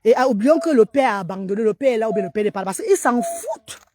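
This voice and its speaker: A woman's voice: a little high, expressive, fast talker, dark tone, slight background noise. A mother of an autistic child filming herself outdoors in a park, speaking earnestly and urging other mothers on a casual livestream.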